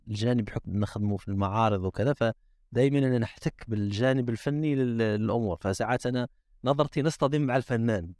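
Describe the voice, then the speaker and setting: A man's voice: mid-range voice, a little mellow, no room sound, studio quality. A man with an Algerian Arabic accent, co-hosting a casual podcast in a jokey, chatty way. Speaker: podcast co-host.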